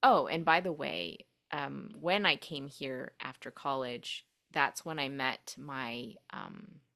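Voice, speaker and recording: A young woman with a low, grounded voice speaks with a reflective tone. She hesitates often, trails off and starts over, and she grew up speaking Korean first. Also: lively intonation, slow pace, gravelly, sharp tone. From United States. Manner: reflective, many fillers and restarts. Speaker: podcast guest. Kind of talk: casual interview storytelling.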